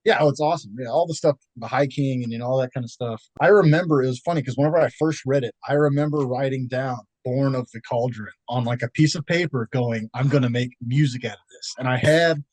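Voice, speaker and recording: A man's voice: medium pitch, fast talker, few pauses, darkish tone, dry recording. A young man from Texas, a podcast guest chatting in a rambling, laid-back way with many fillers and restarts. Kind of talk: casual interview chat.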